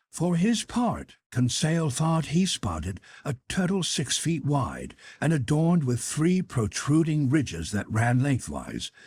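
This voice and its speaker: Casting: male audiobook narrator, formal and expressive, lively melodic range, close dry studio sound. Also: mid-range voice, slightly rough, no echo. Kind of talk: scripted literary narration.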